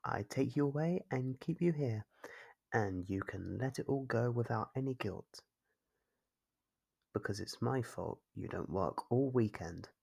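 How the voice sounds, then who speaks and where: Male actor as a possessive yandere kidnapper, husky, unhurried, formal wording, doting and controlling, ASMR roleplay. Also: mid-range voice, lively intonation, a little mellow, full character voice. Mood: tender, possessive. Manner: measured, formal, fussily solicitous.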